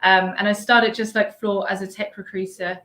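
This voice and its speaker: A woman's voice: mid-range voice, level tone, moderate pace, a bit bright, roomy sound. A woman from Belgium, a recruiter, talking in a casual interview, friendly, with frequent ums. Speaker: recruiter guest.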